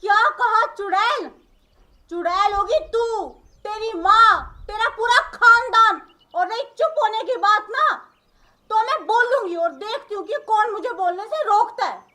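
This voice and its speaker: A woman voicing a sharp-tongued, cheeky new bride in a cartoon skit who talks back to her mother-in-law. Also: very high-pitched, expressive, normal speed. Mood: combative. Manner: cheeky, combative.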